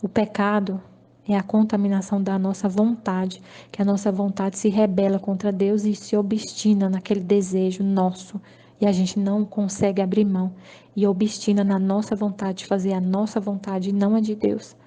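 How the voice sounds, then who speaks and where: A woman's voice: medium pitch, little pitch movement, moderate pace, mellow. A woman with a Brazilian Portuguese accent giving an earnest, repetitive personal testimony on a Catholic channel.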